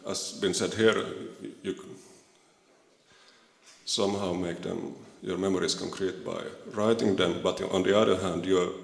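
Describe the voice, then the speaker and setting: Deep-voiced hesitant Swedish-native man. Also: steady tone, measured pace, gravelly. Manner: hesitant, searching for words, many fillers. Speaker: questioner. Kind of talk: panel discussion. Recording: echoey hall.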